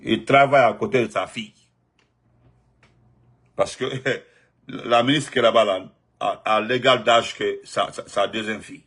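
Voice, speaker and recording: A man with a Guinean French accent giving spontaneous political commentary, emphatic and repetitive, jumping from loud outbursts to muttered asides. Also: lowish voice, steady tone, a little slow, pauses often, husky.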